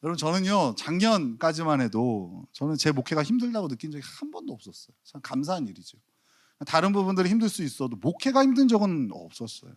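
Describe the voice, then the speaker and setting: A man's voice: a little high, big pitch swings, fast talker. A man in his forties preaching a Sunday sermon as pastor, telling stories with acted quotes and self-mocking humor. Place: church sanctuary.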